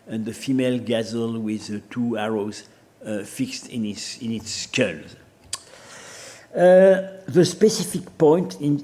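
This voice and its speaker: A man with a French accent giving an academic seminar lecture, reading quotations and pausing often with fillers and restarts. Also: mid-range voice, warm tone. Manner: measured, hesitant with fillers and restarts.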